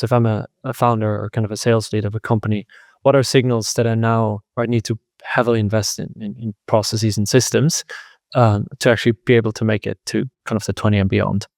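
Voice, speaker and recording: A man's voice: on the low side, fairly even intonation, a little fast, creaky, a little mellow, dry recording, clean studio sound. A man interviewing a guest in a conversational style, putting his questions in tentative, carefully hedged phrasing.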